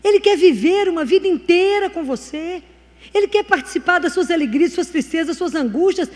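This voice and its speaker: A woman's voice: very high-pitched, lively intonation, brisk, a little mellow. A woman giving a conversational testimony sermon, telling stories and speaking earnestly about faith. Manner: storytelling, acting out dialogue. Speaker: Christian speaker. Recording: long hall reverb.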